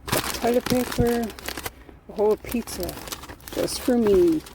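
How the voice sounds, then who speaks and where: Chatty Irish woman with a gravelly voice. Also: a little high, a little slow, background noise. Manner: chatty, rambling, self-mocking. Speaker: vlogger. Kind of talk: casual home vlog chat. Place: at home, indoors.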